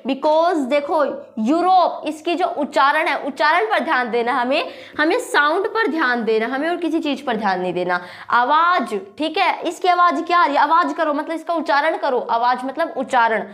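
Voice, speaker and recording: High-voiced woman teaching grammar. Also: animated, moderate pace, fairly bright tone. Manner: quizzes listeners with repeated questions, spells words aloud. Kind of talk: classroom-style grammar lesson.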